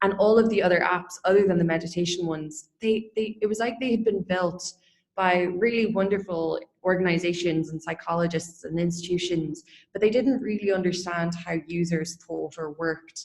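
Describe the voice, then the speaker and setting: In an Irish accent, a woman with a fairly low pitch speaks at a moderate pace with fairly even intonation. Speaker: startup co-founder. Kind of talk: podcast interview.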